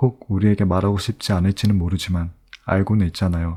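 On a very clean recording with a silent background, a man speaks at a moderate pace. His very deep, low voice has a dark, mellow tone and is somewhat breathy. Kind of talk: audiobook narration.

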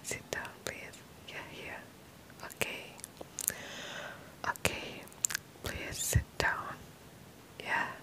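Whispering, a woman speaks at a very slow pace. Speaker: ASMR creator. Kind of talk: ASMR role-play cranial nerve exam, instructing the listener. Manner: soft, whispery, calming. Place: home room. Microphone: studio mic.

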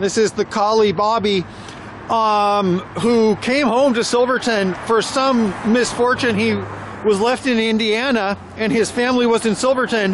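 The speech moves at a fairly slow pace. The sound is dry with no echo, over light background noise. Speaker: local tour narrator. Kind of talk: casual vlog commentary. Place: street. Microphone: phone near.

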